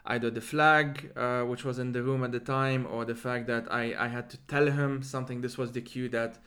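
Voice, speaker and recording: This Lebanese podcast host and interviewer, whose R's are rolled, muses through a conversational, reflective exchange, looping around via asides. He talks at a moderate pace in a mid-range, slightly bright voice with fairly even intonation.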